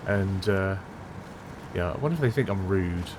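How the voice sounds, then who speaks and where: A man's voice: low voice, expressive, normal speed, noisy background. A man, chatting casually through a video game and chuckling often, his voice a little strained. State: voice strained, close to losing it. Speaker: gameplay commentator. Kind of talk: casual let's-play commentary.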